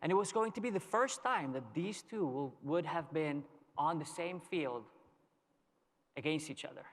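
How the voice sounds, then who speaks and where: Guy doing a keynote on a big stage, slow dramatic storytelling, voice a bit high, long hall echo. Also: lively intonation. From Lebanon. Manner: storytelling, measured with dramatic pauses. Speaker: keynote speaker. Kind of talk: conference keynote speech. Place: large conference hall. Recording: long reverb of a large hall.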